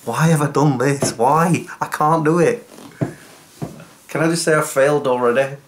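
A man, chatting casually to camera in a self-mocking, animated way from a small home office. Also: on the high side, normal speed, background noise. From England. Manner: self-mocking, animated, waves hands while talking. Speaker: YouTuber. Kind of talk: casual vlog chat to camera.

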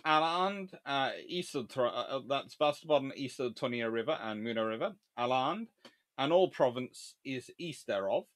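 Animated, sarcastic male history lecturer. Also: mid-range voice, normal speed.

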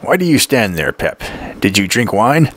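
A man's voice: on the low side, big pitch swings, moderate pace, a bit bright, voice pushed up. A man voicing a stern, anxious middle-aged mother who gives firm, urgent orders, in an audiobook reading. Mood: worried.

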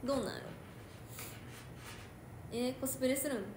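A woman's voice: high voice, brisk. A woman with a Kansai accent chatting playfully and giggling on a casual livestream. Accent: Kansai Japanese. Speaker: idol livestream host. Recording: echoey room with faint noise.

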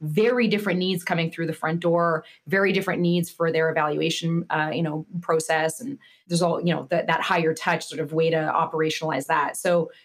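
Chatty woman, lowish voice. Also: fairly even intonation, a little fast, few pauses. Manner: chatty, with many fillers and restarts. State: slightly nasal from losing her voice. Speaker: guest author. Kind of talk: conversational podcast interview.

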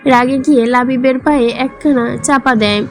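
A woman narrating a romance novel as a storyteller with a steady, even reading. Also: high voice, normal speed. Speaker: audiobook narrator. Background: faint music.

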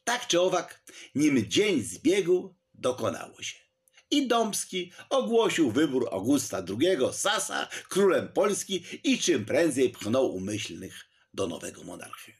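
A man reading a historical novel aloud as narrator, in a lively storytelling manner. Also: on the high side, unhurried, slightly rough. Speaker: audiobook narrator.

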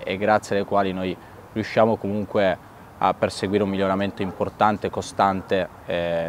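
Measured man in his thirties, low voice. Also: a little hiss or hum. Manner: measured, thoughtful, with filler pauses. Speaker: youth football coach. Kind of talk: sit-down interview.

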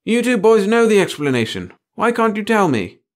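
An anxious middle-management chief played by a male narrator in a storybook reading. The voice is pushed well up in pitch, whiny and pleading, with a hasty, flustered manner. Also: animated, a little fast, fairly bright tone, close to an everyday voice. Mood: wheedling, pleading.

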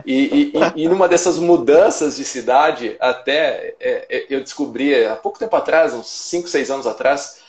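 A man's voice: medium pitch, normal speed, hardly any pauses, echoey room. A man in his forties telling his life story in a personal, reflective way, with many restarts. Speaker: guest trader. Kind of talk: casual storytelling.

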